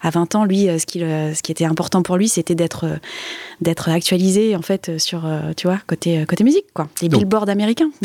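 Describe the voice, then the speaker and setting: In a dry, close sound with no echo, a woman with a fairly low pitch and a dark, mellow tone speaks at a moderate pace. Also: ordinary pitch variation. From Normandy, France. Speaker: entrepreneur. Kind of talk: interview.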